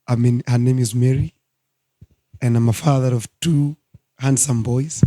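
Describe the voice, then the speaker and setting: A hoarse man in his thirties, a guest minister speaking earnestly in a studio talk show interview. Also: mid-range voice, steady tone, mellow. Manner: slow, earnest, preacherly.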